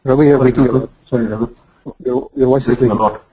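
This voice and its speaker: Fast-talking man on a conference call. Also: medium pitch, steady tone, warm tone, a little hiss or hum, poor audio. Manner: apologetic interruptions. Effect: conference call audio. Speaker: course participant. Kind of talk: remote call participant.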